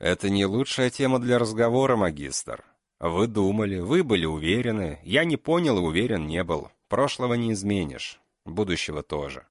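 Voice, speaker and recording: A man voicing a calm, mocking male killer known as the beast. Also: fairly low pitch, no room sound, studio quality, voice pushed up. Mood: cold. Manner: cold, unhurried, mocking.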